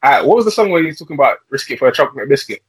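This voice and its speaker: Young male co-host for casual music chat, London roadman accent, blunt, medium pitch with a husky edge. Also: big pitch swings, racing, dry recording, low-quality recording. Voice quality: urban London street slang delivery. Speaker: podcast co-host.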